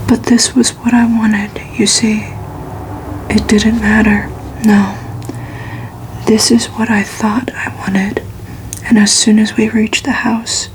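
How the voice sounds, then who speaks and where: A woman doing whispered ASMR reading in a breathy, slightly cracked voice, gentle and unhurried, a little short of breath while getting over a cold. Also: mid-range voice, a little hiss or hum, rough recording. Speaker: host of an ASMR reading channel.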